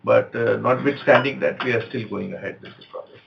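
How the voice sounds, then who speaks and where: An Indian-accented man, a company executive answering analysts on an earnings call in a measured, halting way. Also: mid-range voice, creaky. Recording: dull, lo-fi conference call.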